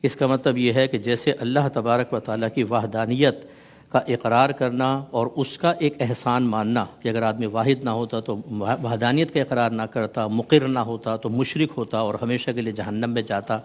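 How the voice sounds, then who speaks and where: Appearing on a television talk show, a male religious scholar explains his teaching at a measured pace, stacking his points into rhythmic lists. His medium-pitched voice is peppered with English words.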